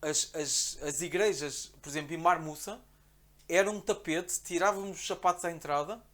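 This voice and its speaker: A man with a European Portuguese accent, a podcast guest telling a travel story in a casual, animated way, acting out the quotes. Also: a little high, moderate pace. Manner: animated, excitable, acts out quotes.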